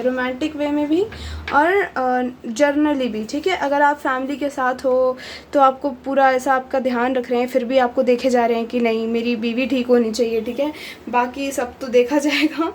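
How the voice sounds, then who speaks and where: A woman's voice: high-pitched, slight background noise. A woman giving a casual tarot reading, chatty and mixing Hindi with English, her voice a little off from being unwell. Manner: chatty, mixes Hindi and English, frequent fillers. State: unwell, voice slightly off. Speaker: tarot reader.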